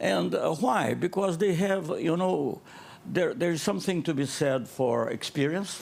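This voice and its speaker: A man talks at a moderate pace with lively intonation. His voice has vocal fry. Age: 80s+. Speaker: former minister, diplomat. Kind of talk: panel discussion. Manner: halting.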